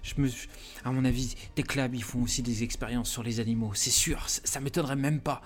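A man voicing an excitable male office worker who talks in loud, blustering bursts. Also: mid-range voice, fairly quick, lightly acted. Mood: rambling.

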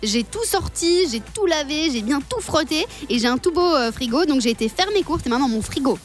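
A woman's voice: sits high, expressive, a little fast. A woman with a Belgian French accent, cheerfully chatting and giggling as a radio co-host. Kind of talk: casual radio banter.

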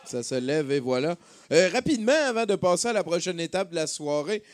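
A man's voice: on the high side, animated, a little fast, a little hiss or hum. A man hosting a live radio show, announcing with energy and many filler words. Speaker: radio host.

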